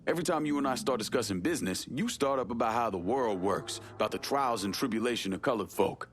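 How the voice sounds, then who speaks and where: A man's voice: mid-range voice, animated, fast, close to an everyday voice. A man playing a hardened, wary Black American war veteran in a video game, speaking bluntly with a Southern US accent. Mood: firm, indignant. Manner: blunt, guarded, profane. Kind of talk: naturalistic video game cutscene acting.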